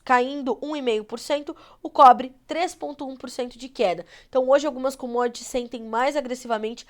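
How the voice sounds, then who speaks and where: A Brazilian woman with a cold anchoring a live agribusiness news show, her voice nasal and congested as she runs through market prices. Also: on the high side. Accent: Brazilian Portuguese. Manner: brisk, reads prices in a steady run.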